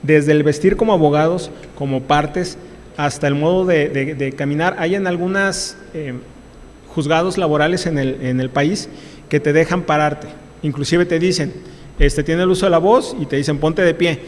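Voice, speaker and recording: A man's voice: fairly high pitch, normal speed, in a large hall, slight background noise. A man with a Mexican accent, a labor lawyer, gives a university lecture in an emphatic, repetitive way, restarting often. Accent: Mexican Spanish. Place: lecture hall.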